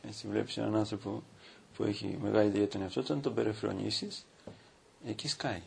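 A man preaching as a priest, reading from a book and stopping to comment, with slow, drawn-out emphasis. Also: on the low side, steady tone, creaky, a little mellow, slight background noise. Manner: reads aloud from a book, breaking off to comment. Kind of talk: sermon.

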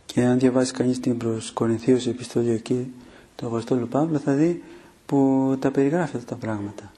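A man preaching a sermon, teaching in a steady way with filler pauses and rhetorical questions. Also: medium pitch, husky.

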